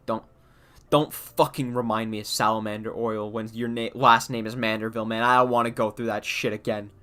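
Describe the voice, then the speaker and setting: A man's voice: lowish voice, little pitch movement, a little fast, pushed and bright, clear, resonant tone. A young man casually commenting on a game he is streaming, blunt and jokey, and he reads the game's text aloud in between. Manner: blunt, sweary, joking.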